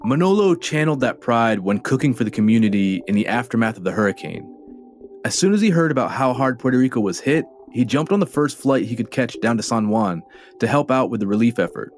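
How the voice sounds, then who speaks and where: Man, mid-pitched host, playful scripted narration, soft music bed under him. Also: animated, fairly quick. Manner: playful, conversational. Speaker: host and reporter.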